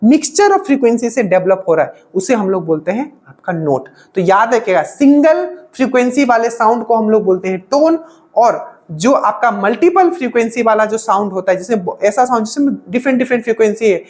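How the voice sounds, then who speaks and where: A woman teaches exam-prep science. She talks in a loose, conversational way. She circles back over each point and drops a quick "okay?" after nearly every phrase. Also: fairly high pitch, animated, a little mellow. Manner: explains with constant "okay?" check-ins and repetition. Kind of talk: casual spoken lecture.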